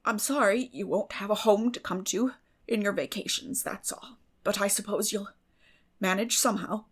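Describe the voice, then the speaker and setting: A woman's voice: mid-range voice, moderate pace, husky, lightly acted. A woman voicing a weary, bitter older farm woman in an audiobook, speaking in plain rural phrases with sad resignation. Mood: sorrowful, resigned. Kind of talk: dramatic audiobook reading.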